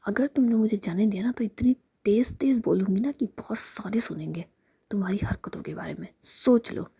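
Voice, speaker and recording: A woman voicing a sharp-tongued, angry young female employee in a whispered role-play story. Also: mid-range voice, brisk. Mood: threatening. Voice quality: breathy whisper.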